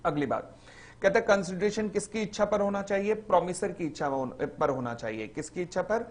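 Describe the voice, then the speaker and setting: A man teaching a recorded exam-revision lecture, acting out little stories and reading definitions slowly, word by word. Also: high voice. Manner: lively, acts out little stories in the examples.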